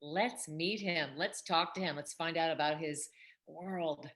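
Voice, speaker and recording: Woman, lowish bright tone, eager podcast host who cuts in often. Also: a little slow. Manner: enthusiastic, jumps in and interrupts. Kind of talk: casual interview.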